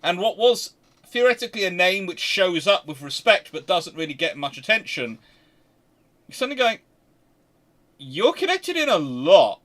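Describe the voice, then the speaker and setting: Higher-voiced man, emphatic and rambling. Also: big pitch swings, moderate pace, long pauses, a bit bright. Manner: emphatic, rambling, often restarts sentences mid-thought. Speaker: host and naval historian. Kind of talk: unscripted history discussion.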